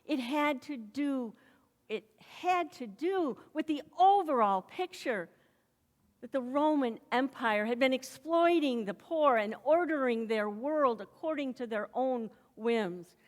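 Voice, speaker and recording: A woman pastor preaches a sermon in a slow, deliberate rhythm, letting each phrase land before the next. Her voice sits a little high for a woman, and the long reverb of a church hall trails behind her words. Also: lively intonation. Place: church sanctuary.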